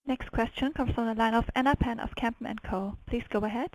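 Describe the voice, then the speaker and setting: A woman's voice: fairly high pitch, steady tone, a little fast, a little mellow, rough recording. A woman working as a conference call operator, reading short scripted announcements of the next caller.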